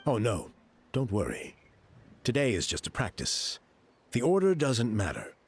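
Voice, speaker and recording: An actor playing a patient, earnest tribal man in a video game, explaining a sacred ceremony in a measured, reassuring way. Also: mid-range voice, wildly swooping pitch, slight background noise. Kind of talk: video game character acting.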